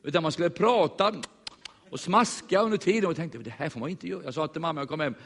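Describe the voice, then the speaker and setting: A man preaching, telling a lively story and acting out the voices of the people in it. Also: a little high, long reverb tail. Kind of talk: sermon storytelling.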